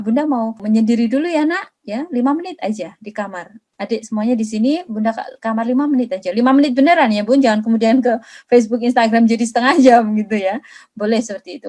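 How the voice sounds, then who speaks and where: A woman's voice: on the high side, a little mellow. Chatty woman giving parenting advice. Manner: chatty, addresses mothers directly, acts out quoted examples. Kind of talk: casual parenting talk.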